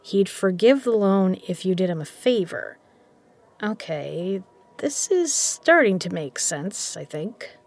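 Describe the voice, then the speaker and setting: Casting: actress for a shrewd underground casino boss and poker legend, medium-pitched, measured and persuasive, for an audio drama. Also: female voice, lively intonation, gravelly, a little mellow, exaggerated voice. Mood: thoughtful. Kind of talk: scripted audio drama dialogue.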